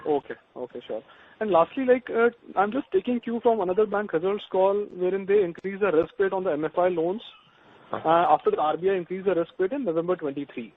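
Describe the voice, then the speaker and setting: A man's voice: sits high, a little fast. A man asking questions as an analyst on a conference call, speaking by phone. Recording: narrow phone line with noise.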